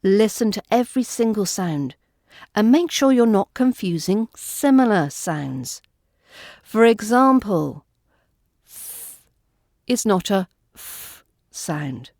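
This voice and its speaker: A woman with an RP British accent, giving a scripted lesson as an accent coach, speaking in a clear, carefully enunciated way. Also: mid-range voice, animated, slow pace, darkish tone, no echo, studio quality. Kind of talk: scripted teaching narration.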